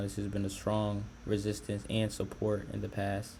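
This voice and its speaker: With a dark, mellow tone and a somewhat breathy quality, a man speaks at a fairly low pitch in monotone, flat intonation, with audible room echo. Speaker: trading content creator. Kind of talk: tutorial. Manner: slow; casual.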